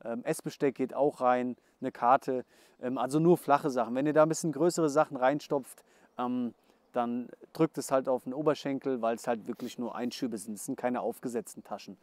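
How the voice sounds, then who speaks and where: A young man giving a casual outdoor gear review, chatty and hurried, with many hesitation fillers. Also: mid-range voice, fairly even intonation, darkish tone, dry recording. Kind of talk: casual product review, voice-over then to camera. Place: outdoors at dusk.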